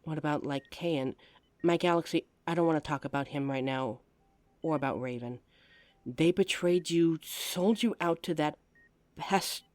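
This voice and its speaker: A woman playing a devoted, protective werewolf lover in an audio drama, anxious, tender and halting. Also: low voice, a little mellow, no room sound, close to an everyday voice. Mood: pained.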